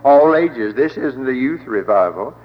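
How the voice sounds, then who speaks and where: A man's voice: medium pitch, lively intonation, a little slow. An older man preaching a sermon with a folksy, wry humor and a rolling preacher's cadence. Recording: dull old broadcast in a reverberant hall.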